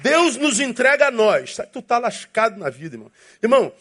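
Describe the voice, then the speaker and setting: A man, preaching a lively, jokey sermon as a pastor and acting out little voices as he goes. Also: very high voice, fairly quick, a little hiss or hum. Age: 50s.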